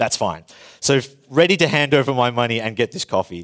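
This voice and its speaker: In a very clean recording with a silent background and a dry, close sound with no echo, a man with an Australian accent talks very fast with lively intonation. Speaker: preacher. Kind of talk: sermon. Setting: church. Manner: informal, friendly, humorous.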